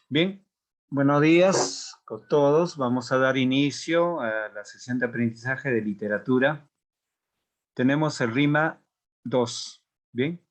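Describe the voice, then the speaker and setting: A man giving a literature lesson in a measured, explanatory tone. His voice sits at an ordinary middle pitch. He checks in with his students often as he walks them through the material. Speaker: teacher.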